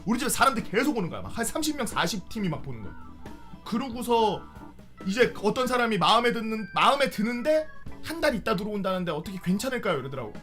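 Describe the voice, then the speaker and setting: Young man, streamer, high voice, swinging pitch, profane heated rant, casual storytelling. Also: very animated, fast talker, a bit bright, soft background music.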